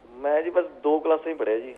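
A man's voice: fairly high pitch, fast talker. A man calling in for casual, joking, flirtatious chat, repeating himself. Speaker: phone-in caller. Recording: muffled phone line, radio-like.

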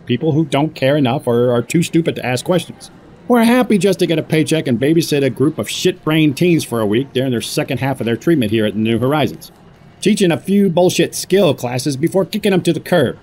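A man's voice: medium pitch, a little mellow, close to an everyday voice. Man acting a smug, pompous corporate villain. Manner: pompous, drawn-out sardonic monologue. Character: smug corrupt corporate executive, cynical and contemptuous. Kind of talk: audio drama monologue.

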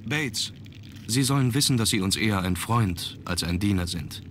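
Male actor as young aristocratic game hero, lower register, courteous, formal, composed delivery. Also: animated, a little hiss or hum, natural voice. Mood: composed, polite. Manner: measured, polite, formal. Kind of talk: scripted adventure game dialogue.

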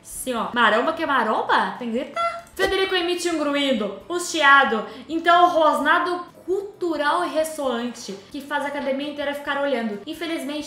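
Bright, excitable Brazilian woman. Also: sits high, echoey room. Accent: Brazilian Portuguese. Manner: chatty, excitable, reads game text aloud and reacts loudly. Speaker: gaming video host. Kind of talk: casual game commentary.

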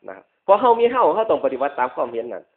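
This Buddhist sermon comes from a monk with an Isan accent whose slightly high voice swoops wildly in pitch as he races along. Emphatic repetition and polite phrase endings mark his delivery, and the recording sounds dull and lo-fi, almost like radio.

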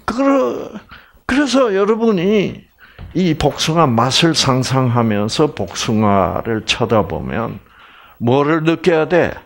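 An older man's gravelly, somewhat high voice carries a slow-paced health lecture on stage in a large lecture hall. Animated throughout, he shifts between exclamations and hushed asides.

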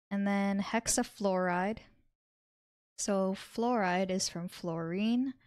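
A woman in her twenties giving a chemistry tutorial, explaining step by step in a measured way. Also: mid-range voice, dry recording, studio quality. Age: 20s. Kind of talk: instructional tutorial, working through a problem. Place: small indoor room at a desk.

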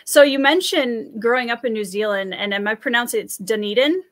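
A woman's voice: a little high, fairly quick, fairly bright tone. A young woman hosting a casual livestream interview in an enthusiastic, chatty way on a headset. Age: young adult. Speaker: interview host. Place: room with bookshelves, indoors, video call.

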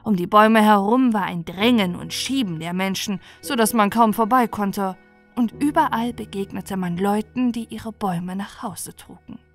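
A woman's voice: medium pitch, moderate pace. A woman narrating a bedtime fairy tale as a storyteller. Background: music.

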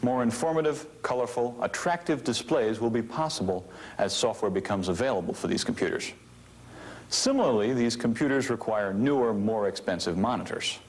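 A man in his thirties giving a scripted, methodical training film presentation as an instructor on a vintage video soundtrack. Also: fairly low pitch. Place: indoor studio set with office equipment. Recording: faint noise, vintage 1980s video soundtrack.

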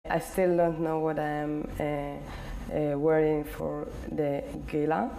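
A young woman in her twenties, originally from Ethiopia, answers questions in careful, halting English full of pauses and fillers. Her voice sits low and flat, slow and mellow. She speaks into a lapel mic in a living room, with a faint room hum behind her. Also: gravelly. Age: 20s. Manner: halting non-native English with many fillers. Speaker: interviewee. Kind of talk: interview answers.

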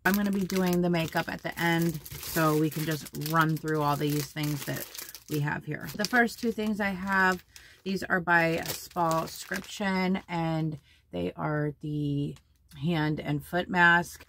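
A woman in her thirties talks through a shopping haul in a small home studio, her voice low and rough with fry, a bit raspy from a cold. She chats casually and lists each item's details. A faint hiss sits under the close camera mic. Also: a bit bright. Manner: chatty, lists product details while holding items up. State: has a cold, slightly raspy. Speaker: beauty haul vlogger. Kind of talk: casual product haul chat. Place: small decorated bedroom studio, indoors.

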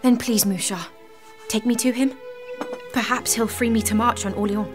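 Audio drama maiden warrior played by a woman: young, devout, impatient, higher-pitched voice, solemn fervour, score underneath. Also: fairly even intonation, moderate pace, music in the background, close to an everyday voice. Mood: frustrated, pleading. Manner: fervent, solemn, formal.

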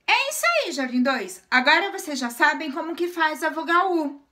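A young woman with a Brazilian Portuguese accent, teaching a slow handwriting lesson on video for young children with patient, sing-song chanting. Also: high-pitched, animated, pushed and bright. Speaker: kindergarten teacher.

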